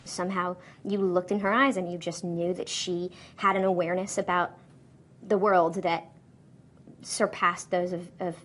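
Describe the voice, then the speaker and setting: A woman's voice: fairly low pitch, flat delivery, moderate pace, fairly bright tone. Woman fondly recalling a co-star. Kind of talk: retrospective interview.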